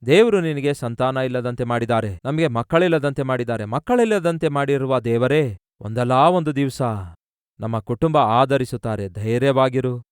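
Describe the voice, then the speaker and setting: A male preacher plays a tender biblical husband, consoling and patient, gently asking questions as he comforts his wife. His voice is smooth and resonant. The sound is close and dry, with no room behind it. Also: medium pitch, expressive, moderate pace, no echo, close to an everyday voice. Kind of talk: sermon storytelling.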